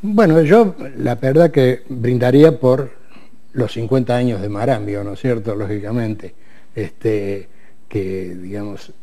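A man's voice: mid-range voice, a little slow, dark tone. Hesitant Argentine man in his eighties. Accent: Argentine Spanish. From Córdoba, Argentina. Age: 80s. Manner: hesitant, many fillers and restarts. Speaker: interview guest, retired military man. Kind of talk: casual interview. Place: TV studio. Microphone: lapel.

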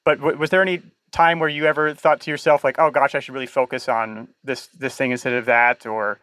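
A man hosting a podcast, asking casual interview questions in a halting, thinking-aloud way. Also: mid-range voice, steady tone, pushed and bright, no room sound.

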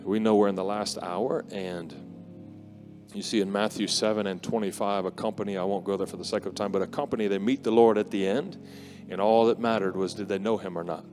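A man in his forties, his voice on the low side and steady in tone, closes out a conference with a gentle, earnest exhortation. He speaks into a handheld microphone on a large indoor arena stage, pausing often and filling gaps, with worship music playing live behind him.

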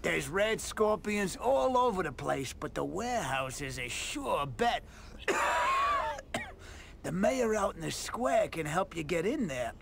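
A man's voice: high-pitched, sing-song, takes it slowly, vocal fry, slight background noise, heavily acted. An actor voicing a shady, cocky male bartender in a video game, talking in a folksy, swaggering drawl. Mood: scheming. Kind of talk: video game character dialogue.

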